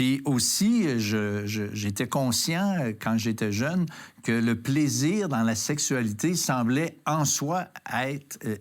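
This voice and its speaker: A man talks at a very slow pace in a medium pitch. The recording is very clean, with a silent background. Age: 60s. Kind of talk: casual discussion. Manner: hesitant, many fillers.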